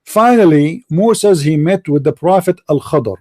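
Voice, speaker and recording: A Middle Eastern man whose first language is Arabic hosts a heated religious debate, his fairly high, slightly mellow voice expressive and at normal speed. Combative and mocking, he presses his opponent with the same questions over and over.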